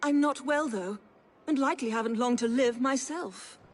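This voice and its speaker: A woman's voice: sits high, normal speed, lightly acted. A woman playing a frail grieving old lady. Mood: mournful. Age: older. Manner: sentimental, mournful. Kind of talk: video game cutscene acting.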